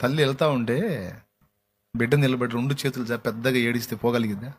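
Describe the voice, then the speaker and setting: A man preaching a sermon with passion, moving between hushed, tender speech and heartfelt pleading, with a Telugu accent. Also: mid-range voice, fairly even intonation, fairly quick, husky. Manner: impassioned preaching that breaks into song, soft and hushed at times. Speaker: pastor. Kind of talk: sermon with sung worship.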